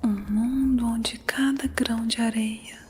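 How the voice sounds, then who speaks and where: A woman narrating an ASMR guided meditation in a soothing, unhurried manner. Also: fairly high pitch, steady tone. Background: music.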